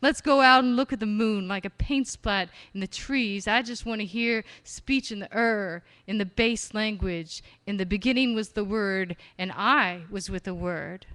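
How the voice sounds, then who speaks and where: A woman performing spoken-word poetry live at a reading venue on a stage mic, expressive and slowing down on key phrases. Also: medium pitch, no room sound. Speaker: poet.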